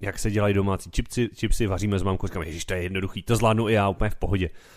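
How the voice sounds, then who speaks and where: The speaker is a man. His pitch is fairly low. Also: very clean recording, silent background. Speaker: podcast co-host. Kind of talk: casual chat. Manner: fast.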